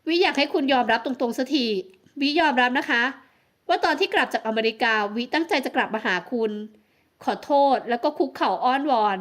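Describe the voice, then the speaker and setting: A woman plays a jealous, heartbroken young woman in an audiobook romance, her voice a touch high and emotional. She pleads and accuses in a tearful, intimate delivery. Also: expressive, brisk. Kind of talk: audiobook romance novel acting.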